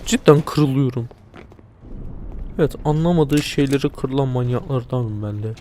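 A man's voice: mid-range voice, steady tone, unhurried, mellow, slight background noise. A young man casually commenting on a video game, joking and talking back to the characters and the viewers. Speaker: let's play commentator.

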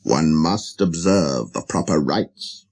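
A man voicing a lonely, gentle wild fox in a storybook, speaking slowly and earnestly with hesitant pauses. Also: very deep voice, slightly rough, pitched below the performer's own voice, exaggerated voice. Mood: patient, instructing. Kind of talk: storybook character reading.

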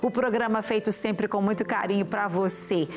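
A woman's voice: medium pitch, fairly even intonation, normal speed, soft background music. A woman, hosting a TV show with an effusive, chatty manner toward viewers, on a lapel mic in a studio. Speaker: TV host. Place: bright TV studio set, indoors.

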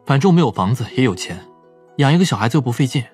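A man's voice: mid-range voice, sing-song, very fast, darkish tone, faint music behind, lightly acted. A man playing a confident, easygoing police detective in an audio drama. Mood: nonchalant.

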